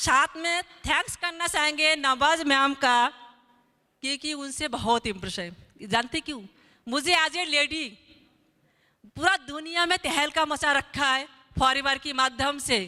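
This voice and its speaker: A woman with a non-native accent speaks in a raised, projected voice at a high pitch, with ordinary pitch variation and long, frequent pauses. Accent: non-native Hindi. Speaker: network marketing distributor and trainer. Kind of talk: testimony speech. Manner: animated.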